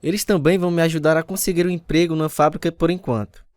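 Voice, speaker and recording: A man's voice: a little high, fairly even intonation, fast, a little mellow, no room sound, studio quality, close to an everyday voice. A man with a Brazilian accent playing a devout, grateful retired teacher in a radio drama, speaking earnestly. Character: devout retired special education teacher, grateful older husband. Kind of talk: radio drama acting with first-person narration.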